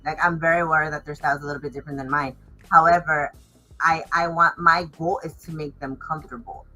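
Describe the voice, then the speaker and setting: A woman's voice: low-pitched, steady tone, quick pace, sharp tone, faint music behind, low-quality recording. A woman chatting casually as a fashion designer in an interview, stressing words emphatically. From Los Angeles area, United States.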